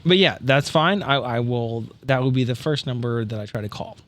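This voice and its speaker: A man's voice: mid-range voice, lively intonation, moderate pace, a bit bright, no room sound. A man playing a tabletop game, improvising casually in his everyday voice with a wry, hesitant, rambling delivery.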